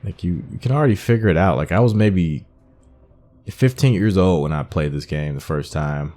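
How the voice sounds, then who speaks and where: Very deep-voiced man, casual game commentary. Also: animated, moderate pace, dark tone. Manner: informal, thinking aloud. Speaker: gaming video host. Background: game music.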